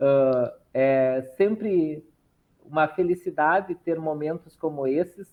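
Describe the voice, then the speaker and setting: A woman speaks very slowly in a very deep, low voice with ordinary pitch variation. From interior of Rio Grande do Sul, Brazil. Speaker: state culture official. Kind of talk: radio interview.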